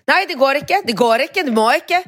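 A woman voicing a fussy, rule-bound Norwegian man behind a train café counter, with shrill, stubborn refusals. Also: expressive, a bit bright.

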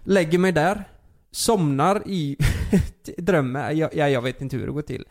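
A young man tells a story in a relaxed, chatty way. His voice has a gravelly, fried edge. He talks with lots of fillers and curses, and his delivery is animated. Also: on the high side. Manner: animated, many fillers and swearing. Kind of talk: casual storytelling.

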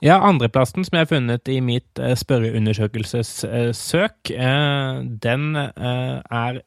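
Halting male podcast co-host, dry close sound. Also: medium pitch, gravelly, no room sound. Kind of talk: casual media commentary chat.

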